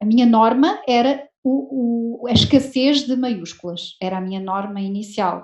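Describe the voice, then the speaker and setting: A woman speaking fairly slowly, with ordinary pitch variation. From France, moved to Portugal as a teenager. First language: French (speaking Portuguese). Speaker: translator and language trainer. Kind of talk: webinar panel discussion. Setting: video call.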